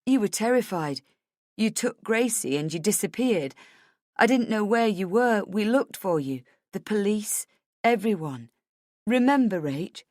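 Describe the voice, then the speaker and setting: A woman's voice: medium pitch, expressive, measured pace, darkish tone, dry recording, studio quality, voice pushed up, natural voice. Woman doing a scared, pleading husband. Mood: anguished. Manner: hesitant, pleading. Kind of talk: dramatic audiobook character dialogue.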